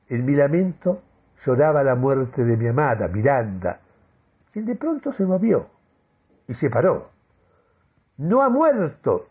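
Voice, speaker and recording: A man's voice: medium pitch, mellow, breathy edge, highs cut off. A man performing a comic first-person radio monologue in a theatrical, mock-solemn manner. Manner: dramatic, mock-solemn delivery.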